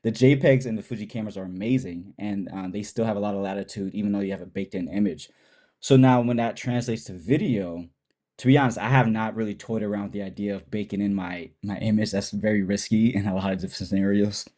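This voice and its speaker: A man's voice: lowish voice, fast. Man with a stuffy nasal cold voice. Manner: relaxed, rambling with restarts and laughs. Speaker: guest photographer and cinematographer. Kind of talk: casual podcast chat.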